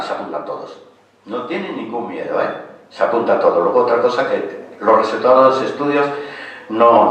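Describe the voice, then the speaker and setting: A man's voice: medium pitch, a bit bright. Castilian man lecturing in an echoey hall. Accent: Castilian Spanish. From Spain, raised in Asturias. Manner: colloquial, didactic, questioning the listeners. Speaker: lecturer and author on medicinal plants. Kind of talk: informal public lecture. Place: echoing lecture room at a cultural center. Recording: very echoey hall, distant microphone.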